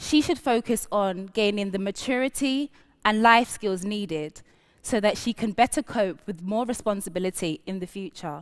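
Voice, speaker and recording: Against little background noise, a woman talks at a moderate pace. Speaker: conference speaker. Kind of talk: prepared talk telling a workplace story. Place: stage. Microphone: headset.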